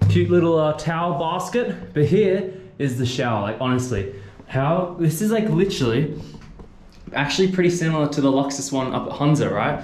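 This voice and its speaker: A man with an Australian accent speaks at a fairly high pitch, his intonation lively. Some room echo is audible, along with light background noise. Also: moderate pace. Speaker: travel vlogger. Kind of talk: casual travel vlog narration. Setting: outdoors on the street. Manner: animated. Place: home room. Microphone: phone near.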